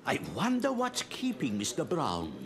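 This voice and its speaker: A man voicing a concerned, genteel older gentleman in a children's cartoon. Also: fairly high pitch, huge pitch swings, a little slow, over music, heavily acted. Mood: worried, amazed.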